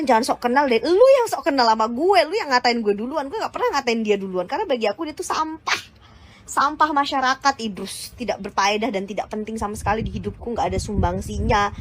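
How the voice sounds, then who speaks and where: A woman ranting angrily to her followers, blunt and insulting in casual slang. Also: a little high. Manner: heated, insulting and combative. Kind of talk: angry rant to followers.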